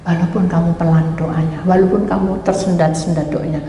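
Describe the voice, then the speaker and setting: A woman's voice: fairly low pitch, a little fast. Woman pastor preaching in echoey hall. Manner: lively, acts out voices in her story. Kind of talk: sermon with storytelling. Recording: echoey hall, faint background noise.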